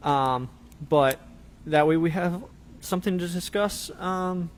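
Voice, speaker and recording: A man's voice: sits high, slow pace, slight background noise. A man co-hosting a live show, talking casually and rambling with fillers. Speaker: co-host of a live truck parts show. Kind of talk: casual chat.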